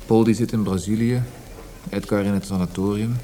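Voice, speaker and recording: An actor playing a proud, fretful poet in a radio drama, speaking in an earnest, precise, grumbling way. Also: male voice, fairly low pitch, steady tone, normal speed, warm tone, slight background noise, close to an everyday voice. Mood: melancholy. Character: proud, fretful, melancholy male poet and librettist.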